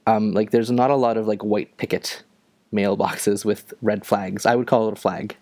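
A young man from Ontario co-hosting a podcast, chatting casually in a halting way with many fillers. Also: lowish voice, steady tone, darkish tone, no room sound. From Ontario, Canada. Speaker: podcast co-host. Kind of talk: casual chat.

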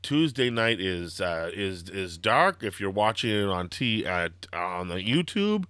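A young man with a slightly hoarse, throaty voice, hosting a casual wrestling podcast and rambling excitedly with lots of fillers. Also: deep voice, unhurried, dry recording. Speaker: podcast host.

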